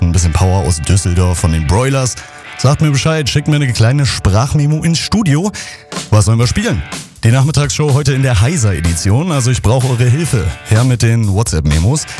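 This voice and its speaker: A hoarse man hosting an afternoon radio show, chatting casually and directly with his listeners. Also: medium pitch. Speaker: radio host. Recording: over loud background music.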